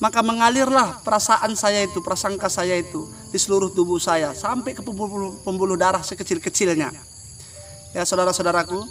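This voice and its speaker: With music in the background, a man speaks at a fairly quick pace and a high pitch, using ordinary pitch variation. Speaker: spiritual teacher. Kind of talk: religious talk. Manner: halting.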